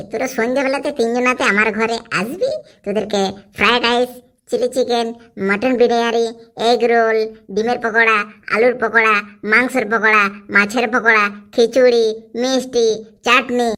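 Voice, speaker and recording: In a cartoonish character voice that sounds female, the speaker talks at a fairly slow pace with a fairly high pitch and monotone, flat intonation. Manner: smug, lecturing.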